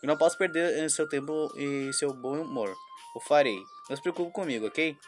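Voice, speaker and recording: A man reading a visual novel aloud, voicing a despairing young schoolgirl, halting and restarting words. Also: a little high, music in the background, lightly acted. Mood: forced cheer. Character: despairing young schoolgirl, anxious and self-blaming.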